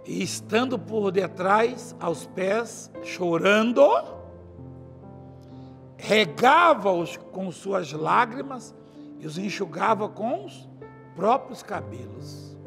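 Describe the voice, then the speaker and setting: A middle-aged man preaching a chatty, animated sermon in a large church, acting out scenes and laughing often. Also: sits high, slow, creaky. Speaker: apostle, preacher. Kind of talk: conversational sermon. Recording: reverberant church hall with faint music.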